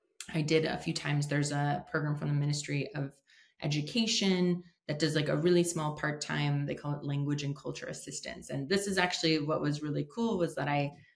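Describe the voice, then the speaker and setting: A woman with an American accent speaks at a fairly quick pace. Her pitch is very deep and low. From US, New York City. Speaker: facilitator. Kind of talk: podcast interview. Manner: animated.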